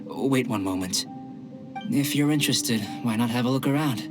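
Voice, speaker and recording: An actor playing a calm, curious young male alchemist who speaks in precise, polite scientific phrasing. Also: mid-range voice, normal speed, natural voice. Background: game music.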